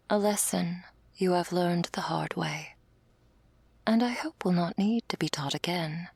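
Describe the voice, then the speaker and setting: Woman acting slow, stern elder angel, ASMR role-play. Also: on the low side, creaky, darkish tone, slightly rough, dry recording, full character voice. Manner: measured, patronising. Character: stern, condescending female elder angel, commanding mother superior.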